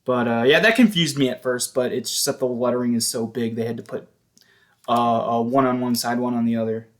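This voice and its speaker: A man's voice: mid-range voice, steady tone. A man giving a casual, hesitant show-and-tell commentary as a collector, often stopping to correct himself. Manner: halting, hesitant, self-correcting. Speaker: music collector vlogger.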